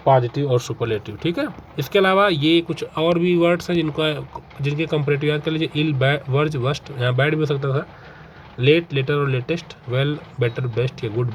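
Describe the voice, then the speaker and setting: A young man teaching an exam-prep grammar lesson, explaining step by step, asking questions and answering them himself, mixing English terms into his talk. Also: medium pitch. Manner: mixes English terms into Hindi. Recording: faint background noise.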